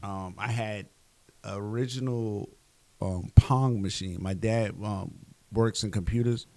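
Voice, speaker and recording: A man's voice: on the low side, steady tone, slow, warm tone, dry recording. A man in his fifties, a comedian guest, chatting loosely on a podcast, joking and swearing freely. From Bronx, New York. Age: 50s. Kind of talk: casual podcast chat.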